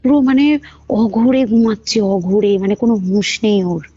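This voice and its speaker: A woman tells a story casually over the phone, slipping into the dialogue she quotes. Her voice is husky and sits at a medium pitch. The call recording sounds muffled, with music playing faintly underneath. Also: normal speed, dark tone. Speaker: caller telling a personal ghost experience. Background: background music.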